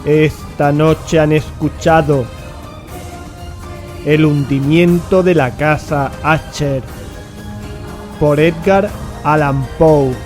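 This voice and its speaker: A man's voice: fairly high pitch, fairly even intonation, extremely slow, pauses often. A man announcing radio drama credits in a formal, scripted style. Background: soft music.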